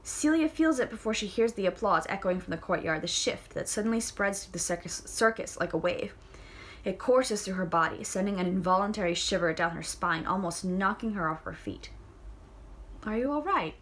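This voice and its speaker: A woman's voice: mid-range voice, fairly quick. A young woman reading a novel aloud, casual and enthusiastic, with chatty asides and small stumbles. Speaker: audiobook reader.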